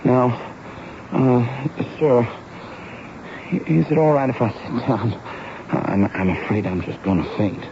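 Teen runaway boy, emotional n earnest, pleading, muffled vintage radio drama with faint noise. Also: medium pitch. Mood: weary. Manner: emotional, imploring, halting. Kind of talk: 1970s radio drama acting. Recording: dull, noisy vintage radio broadcast.

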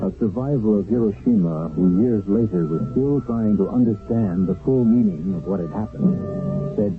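Low-voiced male radio host over music. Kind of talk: solemn scripted radio narration. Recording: tinny old radio broadcast.

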